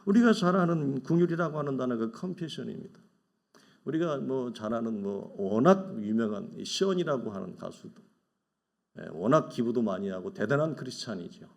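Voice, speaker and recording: A man's voice: mid-range voice, expressive, moderate pace, vocal fry. A middle-aged man preaching a Sunday sermon as pastor, talking conversationally, asking rhetorical questions and acting out the voices of the people he describes. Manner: acts out quoted voices of envious people.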